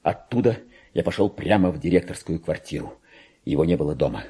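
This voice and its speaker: An actor playing a deluded petty clerk who believes himself a king, in a theatrical radio monologue with a husky, grandiose and erratic delivery. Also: expressive, brisk, heavily acted. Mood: smug, confiding. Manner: grandiose, erratic, swinging from hushed confiding to shrill outbursts.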